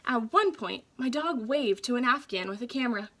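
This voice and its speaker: A woman reads a children's storybook aloud in a very bright, slightly high voice. She works as a teacher would, shaping each phrase with care and a sense of drama for young listeners. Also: animated, moderate pace. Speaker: teacher reading aloud to pupils.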